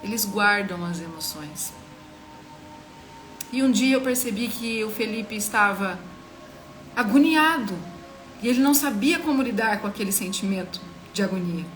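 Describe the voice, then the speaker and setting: A woman's voice: mid-range voice, expressive, moderate pace, long pauses, soft background music. A woman in her thirties with a Brazilian Portuguese accent, giving an earnest, emphatic devotional teaching and speaking straight to the listener.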